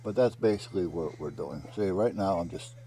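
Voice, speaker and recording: A very low-pitched man with a dark, relaxed tone talks casually through a do-it-yourself job. He rambles a little as he explains each step, keeping it plain and matter-of-fact. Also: fairly quick. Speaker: hobbyist narrating a repair project. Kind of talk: casual voice-over explaining a DIY wiring repair.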